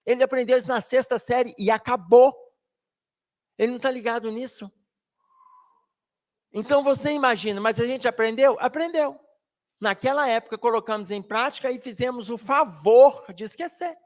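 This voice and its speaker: A man's voice: extremely high pitch, normal speed. A man giving a spirited public lecture at a spiritist book fair, joking and talking straight to the audience. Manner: animated, jokey, addresses the audience directly. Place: lecture hall.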